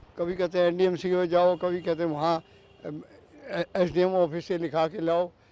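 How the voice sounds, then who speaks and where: Clearly audible noise behind a man speaking in a high register. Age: 70s. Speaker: voter interviewed on the street. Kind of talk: street interview.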